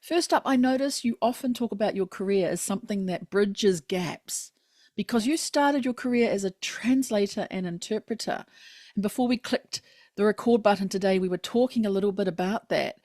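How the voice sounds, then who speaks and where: A woman's voice: medium pitch, moderate pace, darkish tone, no room sound, clean studio sound. A woman hosting an interview, enthusiastic and affirming with her guest. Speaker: podcast host. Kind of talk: interview conversation.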